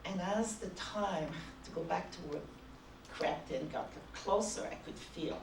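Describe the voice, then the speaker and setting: A woman's voice: on the low side, unhurried, creaky, distant mic, noisy background. Chatty woman speaking in an echoey hall. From Canada. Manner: chatty, anecdotal, laughs often. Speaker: conference speaker. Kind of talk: conference talk. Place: conference hall.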